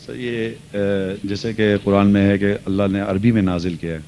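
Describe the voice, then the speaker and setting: A man's voice: fairly low pitch, steady tone, a little mellow, slight background noise. A man giving a religious lecture, earnestly explaining and mixing English words into his speech. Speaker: Quran lecturer.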